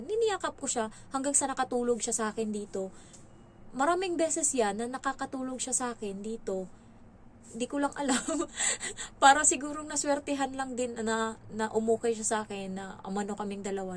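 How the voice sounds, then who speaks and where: Woman, from the Philippines, casual storytelling vlog, chatty and animated, fairly high voice. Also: slight background noise. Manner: chatty, animated, quotes others in raised voices. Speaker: domestic helper vlogger.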